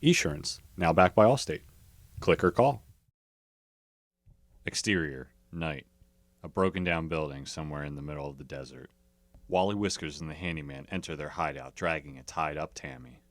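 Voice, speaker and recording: A man's voice: a bass voice, normal speed, dry recording. A man working as a voiceover artist, reading scripted narration and advertising copy.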